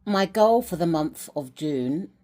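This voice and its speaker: A woman's voice: on the low side, animated, takes it slowly, mellow. A woman from England chatting casually in a vlog as she shows dolls and a journal, rambling a little with restarts. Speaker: vlogger.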